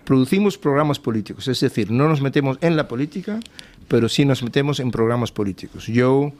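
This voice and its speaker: A man's voice: mid-range voice, fairly quick, darkish tone. Cuban-born man searching for words. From Cuba. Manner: searches for words, laughs easily. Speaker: think-tank guest. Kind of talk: casual radio panel talk.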